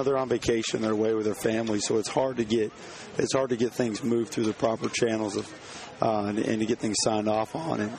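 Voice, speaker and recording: A hoarse man, a home builder, answering interview questions on site with many restarts and fillers. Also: medium pitch, rough recording.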